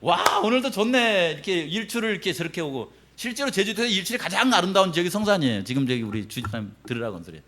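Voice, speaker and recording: A middle-aged man preaching a sermon as pastor, animated, acting out quoted reactions and laughing often. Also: on the high side, racing.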